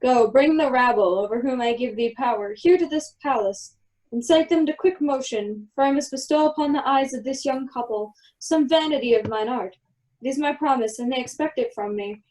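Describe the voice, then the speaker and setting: High-pitched woman as commanding magician duke. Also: moderate pace, a little mellow, close to an everyday voice, poor audio. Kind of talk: Shakespeare performed as a radio play.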